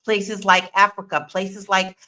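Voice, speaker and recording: A woman's voice: mid-range voice, flat delivery, a little slow, pushed and bright. A woman speaking emphatically as a panelist in a casual discussion.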